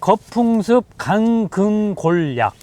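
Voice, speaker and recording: A man, a herbal medicine professor, lively and teacherly, explaining herbs outdoors on a farm and quizzing the people with him. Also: high-pitched, slow pace.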